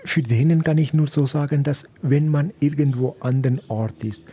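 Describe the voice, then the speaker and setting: Male priest from India, non-native speaker, dark mellow voice, hesitant, interview. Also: on the high side, slightly rough. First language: not German. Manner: halting, searching for words. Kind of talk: radio interview.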